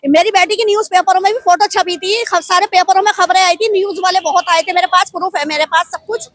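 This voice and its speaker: A woman's voice: extremely high pitch, fairly even intonation, quick pace, a bit bright, no room sound. A middle-aged woman, a grieving mother, speaking in an impassioned, indignant way in a street interview and firing rhetorical questions.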